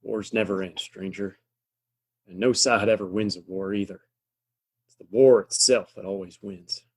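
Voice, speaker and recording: A man acts out a resolute, world-weary saloon keeper in a Western radio-style play. The voice sits fairly low, and the delivery is gruff, blunt and emphatic. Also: fairly even intonation, moderate pace, darkish tone. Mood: weary, grim. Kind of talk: Western audio drama acting.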